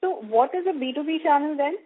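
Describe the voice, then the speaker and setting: A woman's voice: sits high, lively intonation, fairly quick. A woman speaking as an analyst, putting methodical, probing questions on a conference call. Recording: narrow, tinny phone-line audio.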